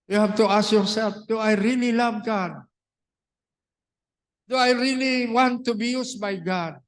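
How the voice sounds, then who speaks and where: A man's voice: sits high, slow pace. A man preaching a sermon, mixing English into his talk and acting out the dialogue he retells. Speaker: pastor. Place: church.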